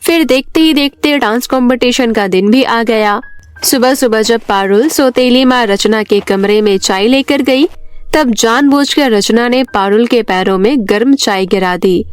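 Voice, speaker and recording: A woman narrates an animated bedtime story in a steady, scripted way. Her voice is fairly high. Soft background music sits faintly under her. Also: unhurried, smooth, no room sound.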